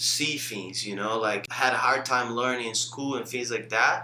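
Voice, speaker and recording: Over noticeable background noise, a man at a medium pitch speaks with fairly even intonation. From Brazil. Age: 20s. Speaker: jiu-jitsu instructor and MMA fighter. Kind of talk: interview.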